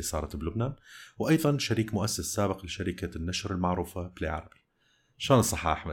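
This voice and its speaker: A man's somewhat breathy voice moves at a fairly quick pace. The recording is very clean, with a silent background. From Iraq. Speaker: podcast host. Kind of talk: casual interview.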